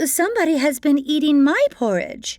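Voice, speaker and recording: Pitched high, a woman performs a put-on character voice. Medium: read story.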